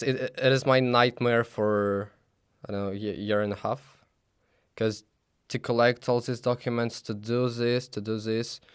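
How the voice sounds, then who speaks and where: A young man from Belarus, a student answering interview questions in halting with many fillers. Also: mid-range voice, smooth, dry recording, clean studio sound. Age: young adult. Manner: halting non-native English with many fillers.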